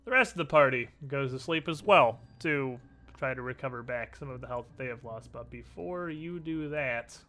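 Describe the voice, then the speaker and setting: A man narrating a tabletop role-playing game as game master, telling it deliberately and with suspenseful pauses. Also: medium pitch, sharp tone.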